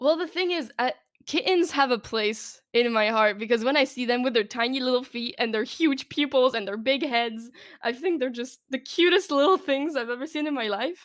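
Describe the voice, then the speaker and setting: The voice is loud, moving at a moderate pace with ordinary pitch variation. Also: woman, high pitch for a woman. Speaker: VTuber streamer. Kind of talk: casual interview chat. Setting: live stream.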